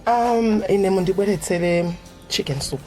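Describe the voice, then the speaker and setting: A woman's voice: mid-range voice, a little slow, music in the background, lightly acted. An actress with a Malawian accent playing a cheerful, devout young woman chatting with a friend in a radio drama.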